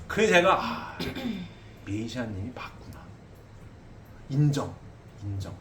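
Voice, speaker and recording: A middle-aged man preaches a sermon with emphasis, regularly asking his congregation questions and tacking on "eh?". His mid-range voice is sing-song, slow and a bit bright. The echoey hall recording has faint ambience and a little hiss or hum.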